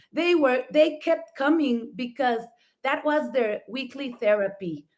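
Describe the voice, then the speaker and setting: Speaking fairly slowly in a Mexican accent, a woman uses a high pitch and lively intonation. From Mexico. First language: Spanish. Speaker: florist and flower workshop teacher. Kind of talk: casual chat.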